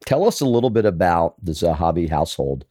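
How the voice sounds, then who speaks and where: A man hosting an interview speaks in a low voice. His sound is dry and close. He asks open questions and backs up his guest with eager praise. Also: sing-song, fast, mellow, no room sound. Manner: encouraging, enthusiastic affirmations.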